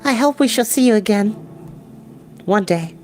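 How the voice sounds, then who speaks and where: A man reading a storybook, voicing an earnest, wistful young girl who is soft and hesitant. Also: high-pitched, expressive, moderate pace, soft background music, voice pushed up.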